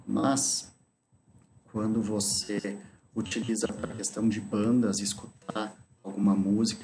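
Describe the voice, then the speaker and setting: A man teaching a lesson, explaining slowly and deliberately as he works through written examples. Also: lowish voice, background noise. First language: Portuguese. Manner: slow, deliberate, spelling out examples as he types. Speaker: English teacher. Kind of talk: screen-recorded lesson explanation.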